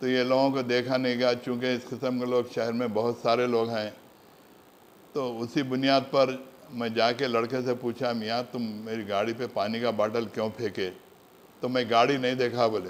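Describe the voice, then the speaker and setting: This man's pitch is medium. His intonation stays monotone and flat. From India, old city of Hyderabad. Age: 70s. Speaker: politician. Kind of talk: media statement.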